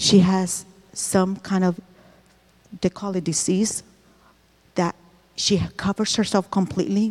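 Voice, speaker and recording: The speaker talks at a fairly slow pace with a Puerto Rican accent and monotone, flat intonation. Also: woman. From Puerto Rico. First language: Spanish. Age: 50s. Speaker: church member sharing testimony. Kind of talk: testimony. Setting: church with congregation.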